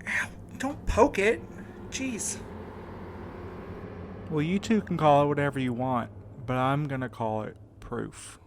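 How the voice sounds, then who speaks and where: A man's voice: a little high, slow, long pauses, a little hiss or hum. A man playing a weary, shaken young man in a fiction podcast, speaking in a wry, conversational, folksy way. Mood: exhausted, grumbling. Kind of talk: naturalistic fiction podcast acting.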